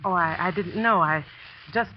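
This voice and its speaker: A woman's voice: fairly low pitch, moderate pace, a little hiss or hum, close to an everyday voice. An actress playing an earnest young woman, a new sports teacher who narrates her own story in a 1940s radio drama. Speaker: narrator and lead character. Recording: muffled 1940s radio broadcast with music.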